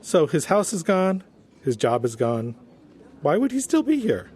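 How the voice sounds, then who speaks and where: An actor playing an earnest, gentle former human resources director in an audio drama, polite and prim in his wording. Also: high-pitched, huge pitch swings, unhurried, husky, heavily acted. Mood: earnest, reassuring. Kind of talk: audio drama acting as interview guest.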